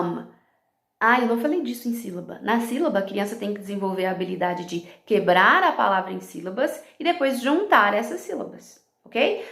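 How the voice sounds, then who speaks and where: Woman teacher, gravelly voice, roomy sound, explains step by step for fellow teachers. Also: medium pitch, fairly bright tone. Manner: explanatory, checks in with "ok?" and "tá?", slips into English words. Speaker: English teacher.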